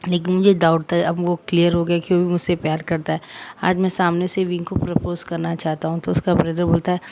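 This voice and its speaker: Noticeable background noise sits behind a woman speaking at a moderate pace. Her fairly low voice stays monotone and flat. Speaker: fan fiction narrator. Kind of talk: storytelling narration. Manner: casual, conversational.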